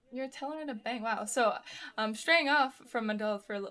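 Here is a woman with a plain, everyday voice. Her pitch is fairly high and varies in an ordinary way. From Canada.

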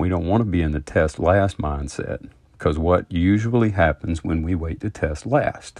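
A man's very deep, low voice in a Southern US accent, with ordinary pitch variation. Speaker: podcast host. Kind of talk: solo podcast monologue. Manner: informal, conversational.

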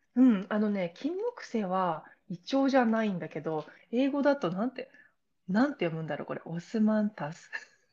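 Her voice is fairly high with a dark, mellow tone. This woman's pitch swings very widely. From Japan, Toyama. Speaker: podcast co-host. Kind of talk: casual chat. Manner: slow, clear for learners.

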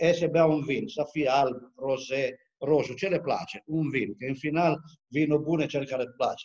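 With fairly even intonation, the words come at a moderate pace. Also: man, fairly high pitch for a man. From Italy, Piedmont. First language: Italian (speaking Romanian). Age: 50s. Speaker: winemaker. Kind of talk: interview. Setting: video call. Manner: halting.

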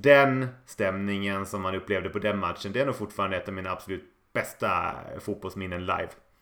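Talking at a fairly quick pace, a man keeps a fairly low pitch and fairly even intonation. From Åland, Finland. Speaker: football podcast co-host. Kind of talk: casual chat. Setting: remote recording.

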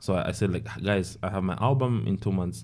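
In a room with audible echo, a man with vocal fry and a dark, mellow tone speaks at a fairly low pitch and a fairly quick pace. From Zambia. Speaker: musician. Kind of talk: interview.

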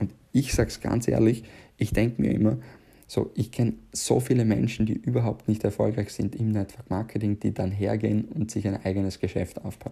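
A man speaks with a fairly low pitch and a dark, mellow tone. Vocal fry runs through his voice. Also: ordinary pitch variation, moderate pace. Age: 20s. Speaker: network marketer and podcast host. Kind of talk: solo podcast monologue. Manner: many fillers and repetitions.

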